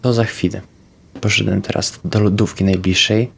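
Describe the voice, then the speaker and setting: A man playing a tabletop game, describing his character's actions in the first person, haltingly. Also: on the low side, steady tone, gravelly, slightly rough. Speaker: player.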